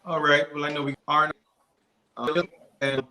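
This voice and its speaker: A man who is a guest business owner on a live call-in show, his voice coming through robotic and glitchy over a lagging phone video call as he talks in halting, restarted sentences. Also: a little high, little pitch movement, pushed and bright, reverberant, a little hiss or hum, rough recording. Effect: robotic, glitchy video-call audio.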